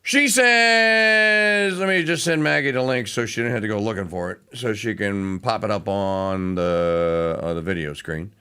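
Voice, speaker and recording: A man's voice: unhurried, smooth. A middle-aged man from Louisiana, hosting a casual talk radio show, rambling and digressive with lots of fillers and restarts. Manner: animated pitch swings.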